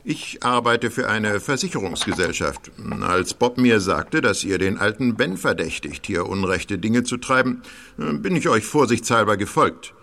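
Gravelly, stern detective. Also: male voice, lowish voice, animated, moderate pace, pushed and bright, full character voice. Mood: grave, urgent. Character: stern insurance detective on a thief's trail. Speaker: actor in an audio drama. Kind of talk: German audio drama acting.

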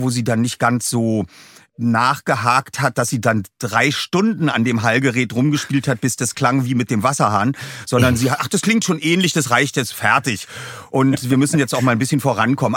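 A man's voice: medium pitch, brisk, a bit bright, husky, no echo, studio quality. A man on a podcast panel, explaining technical details confidently in casual speech.

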